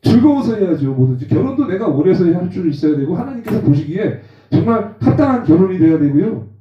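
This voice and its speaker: Man, forties, testimony sermon, animated, far off mic, dull roomy sound. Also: high-pitched, quick pace. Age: 40s. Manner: animated, acts out rough phone quarrels with slang. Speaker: preacher. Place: church hall.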